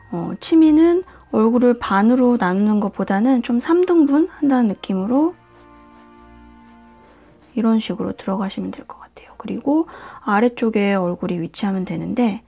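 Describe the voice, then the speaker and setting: A woman hosting a nail art and drawing tutorial, talking calmly step by step and often dropping to a whisper. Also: mid-range voice. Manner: calm, slow, often drops to a whisper. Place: indoors at a desk, hands on camera.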